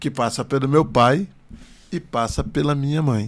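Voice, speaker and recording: A man speaks at a fairly slow pace. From Rio de Janeiro, Brazil. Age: 60s. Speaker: podcast guest. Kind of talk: testimony. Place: studio. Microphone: studio mic.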